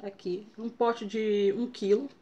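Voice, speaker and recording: A woman's voice: medium pitch, fairly even intonation, takes it slowly, mellow, highs cut off. A young Brazilian woman with a tongue-tied speech impediment, giving a casual, playful product review and stumbling over harder words. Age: young adult. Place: small bedroom, indoors.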